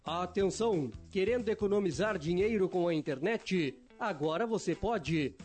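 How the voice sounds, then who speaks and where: A man reading a radio ad as a punchy, energetic sales pitch. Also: moderate pace, music in the background. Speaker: radio ad announcer. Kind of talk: scripted radio ad read.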